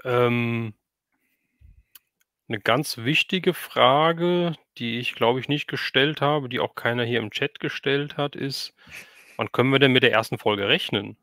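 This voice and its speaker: A man's voice: medium pitch, a little slow, pushed and bright, no echo, clean studio sound. A man hosting a casual livestream interview, asking questions and responding informally.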